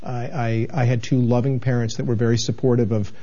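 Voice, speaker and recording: A man's voice: mid-range voice, level tone, fairly quick, warm tone, dull audio. Earnest man in his sixties, rambling. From New England, United States. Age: 60s. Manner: earnest, rambling, with many restarts and fillers. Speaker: television station manager, guest. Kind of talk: candid interview conversation.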